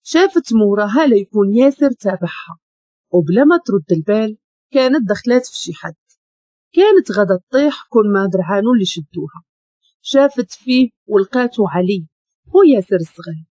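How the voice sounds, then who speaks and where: A woman with a Moroccan accent narrating a dramatic story in an expressive reading. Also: medium pitch, a little fast, slightly rough, no echo. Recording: dull lo-fi dry recording.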